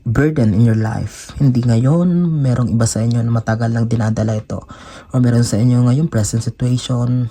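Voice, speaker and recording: Filipino guy doing a tarot reading, mellow husky voice, gets all emotional, taglish. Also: medium pitch. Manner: emotional, sighing, mixes Tagalog and English. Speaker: tarot reader.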